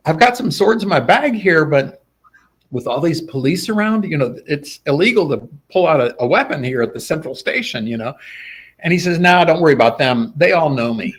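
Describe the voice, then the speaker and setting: A middle-aged man with a somewhat high voice, speaking as a guest in a relaxed interview. He tells stories with animation and slips into the voices of the people he quotes. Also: a little fast, breathy edge. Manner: animated, acts out quoted dialogue. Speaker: guest, sword swallower. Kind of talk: casual interview storytelling.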